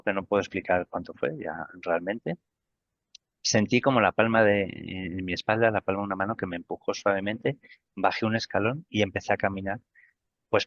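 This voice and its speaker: Low-voiced Spanish man telling a story. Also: fairly bright tone, dry recording, lo-fi sound. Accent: Spain Spanish. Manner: vivid retelling that acts out remembered dialogue. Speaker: interview guest. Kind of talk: personal storytelling in an interview.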